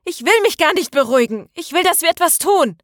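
Woman acting an indignant young female student, raised pitch. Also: expressive, brisk, no echo, studio quality, close to an everyday voice. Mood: defiant, agitated. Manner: indignant, emphatic, defiant. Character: angry, stubborn young female student, passionate and worried. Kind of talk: dramatized audiobook dialogue.

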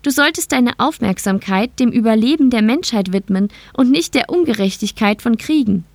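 A woman voicing a calm, evasive female machine intelligence, speaking in a measured, explanatory way. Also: a little high, dry recording. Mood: explaining.

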